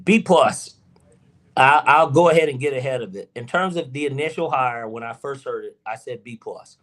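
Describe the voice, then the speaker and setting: A man's voice: medium pitch, expressive, moderate pace, a bit bright. A man with a Southern accent co-hosting a casual sports podcast, emphatic and repeating himself when he insists. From US South (Georgia). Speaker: podcast co-host.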